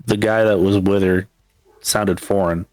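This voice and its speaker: A man's voice: deep voice, fairly even intonation, measured pace, a little mellow, no room sound, soft background music, low-quality recording. A man narrating a tabletop role-playing game as storyteller, rambling with many fillers. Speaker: game master.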